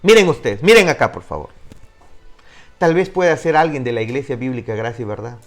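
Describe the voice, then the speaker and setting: A man's voice: medium pitch, lively intonation, fairly quick, faint music behind. A man teaching an online discipleship class, emphatic and putting questions to his students. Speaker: Bible teacher.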